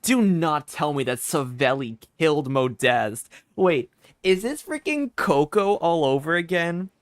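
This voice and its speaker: Rambling game streamer, mid-pitched voice. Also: measured pace, no room sound, studio quality. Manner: rambling, thinking aloud, expressive, swearing. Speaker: gaming streamer. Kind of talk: casual live game commentary.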